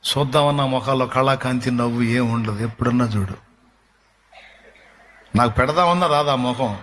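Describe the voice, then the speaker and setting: A man's voice: mid-range voice, slight background noise. A male pastor preaching a sermon with emphasis, often putting rhetorical questions to his congregation.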